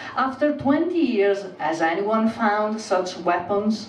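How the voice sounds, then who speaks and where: A woman speaks very slowly with an Italian accent, her voice carrying audible room echo over noticeable background noise. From Italy. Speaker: poet. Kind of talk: poetry reading. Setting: stage with audience.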